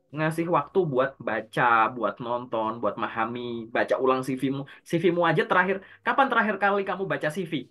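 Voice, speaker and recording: Male interview coach, mid-range voice, relaxed coaching tone, works through points step by step on a call. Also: mid-range voice. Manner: explains step by step, poses and answers his own questions. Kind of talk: casual coaching session.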